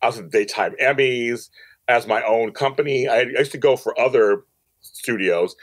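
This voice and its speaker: A middle-aged man, a podcast guest, telling personal stories in an expressive, playful, talkative way. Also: medium pitch, normal speed, no echo. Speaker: podcast guest, media company CEO. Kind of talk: animated personal storytelling.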